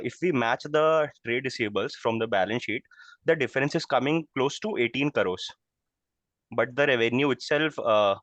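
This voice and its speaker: Indian guy asking a polite question on an investor call, medium pitch, no room echo, bit hesitant. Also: fairly bright tone.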